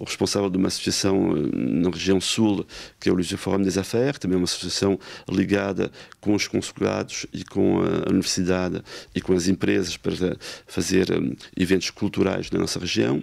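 With vocal fry and ordinary pitch variation, the voice moves at a moderate pace over a quiet background. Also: man. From France, Paris (from age 7), born in Cascais; Paris. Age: 50s. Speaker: lawyer. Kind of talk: interview testimony. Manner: hesitant, many fillers and repetitions. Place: studio. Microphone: studio mic.

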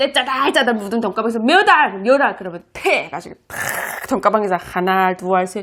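A woman at a fairly high pitch, speaking at a moderate pace. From North Korea. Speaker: YouTuber, North Korean defector. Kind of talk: casual chat.

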